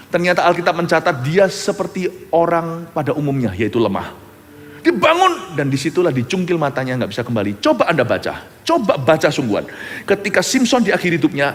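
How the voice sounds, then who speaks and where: Animated preaching man in a big reverberant hall. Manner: animated preaching, swinging between loud bursts and hushed low lines. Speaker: pastor. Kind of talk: sermon. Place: large church hall. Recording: church hall with long reverb.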